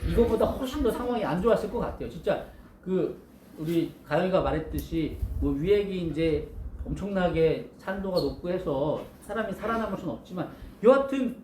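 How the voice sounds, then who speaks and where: A male pastor giving a storytelling sermon to children, animated and asking his listeners questions. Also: sits high, echoey room, slight background noise.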